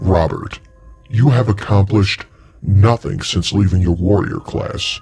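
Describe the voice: The recording captures plain reading aloud.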